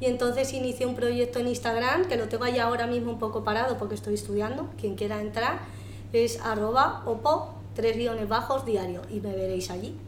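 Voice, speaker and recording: Noticeable background noise sits under a woman who speaks at a fairly quick pace. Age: 40s. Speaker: public exam candidate, mother. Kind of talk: testimony.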